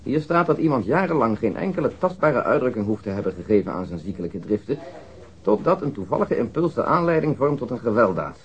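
An actor in a radio drama playing an earnest, methodical police detective, speaking in a measured, serious, explanatory way. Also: male voice, mid-range voice, very animated, lo-fi sound, close to an everyday voice. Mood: earnest, grave.

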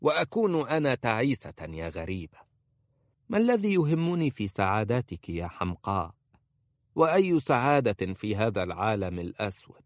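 A man voicing a bitter, sharp-tongued old woman with white hair in a storybook reading. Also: fairly low pitch, very animated, normal speed, no room sound, studio quality. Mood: scornful.

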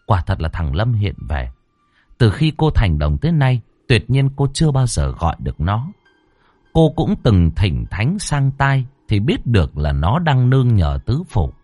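A man reading a ghost story aloud as a storyteller, with a dramatic, expressive delivery. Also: lowish voice, no room sound. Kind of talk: scripted horror narration. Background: faint music.

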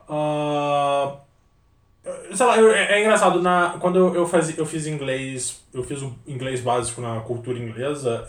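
Fast-talking young Brazilian man in echoey room. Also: medium pitch, distant mic. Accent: Brazilian Portuguese. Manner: animated, rambling, lots of restarts and swearing. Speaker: podcast co-host. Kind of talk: casual chat over a video call.

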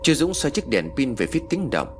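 A male storyteller who narrates a ghost tale with dramatic flair. His pitch swings in lively arcs, and soft music plays quietly beneath him. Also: brisk.

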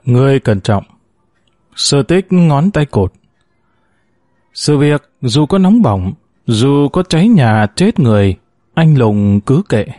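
A man reading a short story aloud as narrator, in an expressive storytelling manner. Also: mid-range voice, slow, pauses often, no echo, studio quality.

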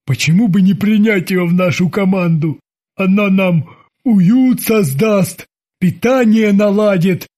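A man's voice: sits high, a little slow, darkish tone. A man voicing a burly, dim-witted, childish henchman with a whiny, naive way of pleading. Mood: naive eager.

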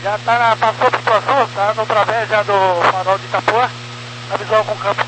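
High-voiced man reporting over walkie-talkie. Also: fairly even intonation, brisk, music in the background, low-quality recording. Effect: over walkie-talkie style aviation radio. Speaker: pilot on air traffic radio. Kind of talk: brief radio position reports.

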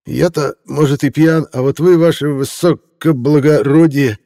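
A man's voice: fairly high pitch, normal speed, a little mellow, pitched above the performer's own voice, lightly acted. A man voicing a tipsy, insolent newspaper reporter who slurs and mocks in old-fashioned phrases. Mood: slurred insulting. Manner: slurring, mocking, pompous old-fashioned phrasing. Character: drunken, insolent young male newspaper reporter.

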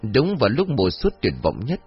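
A man narrating a horror story in a dramatic, expressive way. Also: mid-range voice, moderate pace, husky. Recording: dull lo-fi audio, faint music.

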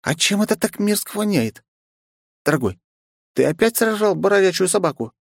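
Bubbly, bossy young wife, high lively voice, dry close sound; a man plays her. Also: normal speed, creaky, no room sound, full character voice. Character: bubbly, pushy young woman, vampire wife.

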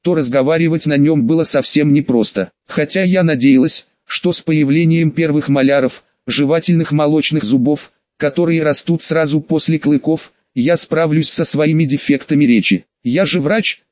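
A man reading a first-person audiobook in a measured, ironic storytelling manner. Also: fairly high pitch, no echo, highs cut off. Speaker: audiobook narrator.

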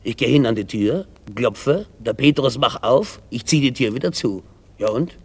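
A man's voice: medium pitch, lively intonation, normal speed, darkish tone, breathy edge, in a large hall. A man voicing a sly man who explains his trick step by step, his voice climbing with each repetition. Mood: scheming. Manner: building, repetitive storytelling. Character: sly old man with a trick to enter heaven.

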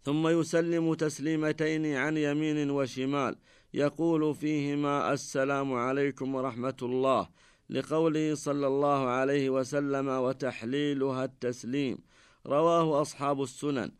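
A male scholar reads a radio lesson on Islamic law in a smooth, resonant voice. He delivers each text in a measured, formal way. The studio sound is close and dry, with no echo. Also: mid-range voice, fairly even intonation. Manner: measured, formal recitation of texts. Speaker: Islamic scholar presenting a jurisprudence program. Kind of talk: reading a religious lesson on radio.

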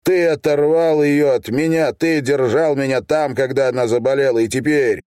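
A man voicing an enraged, grieving teenage boy who shouts through tears in an audiobook. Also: fairly low pitch, takes it slowly, dry recording, clean studio sound. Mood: furious.

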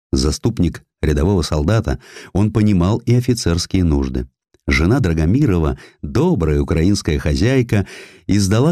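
A man reading literary historical prose as an expressive audiobook narrator, in a measured storytelling way. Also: deep voice, no room sound, studio quality. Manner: measured, storytelling delivery, acts out quoted dialogue.

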